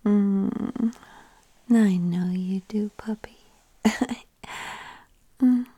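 Slow-whispering woman, soothing ASMR roleplay. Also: mid-range voice, a little hiss or hum. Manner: soft close whispering; tender, soothing. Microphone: close mic.

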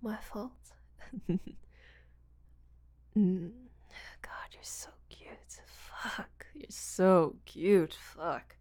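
A woman playing a breathy, giggling seductress. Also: mid-range voice, slow pace, pauses often, warm tone, dry recording. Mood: teasing. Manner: breathy whispering, frequent giggles, teasing. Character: teasing, domineering seductive woman, rough-handed. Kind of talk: audio roleplay.

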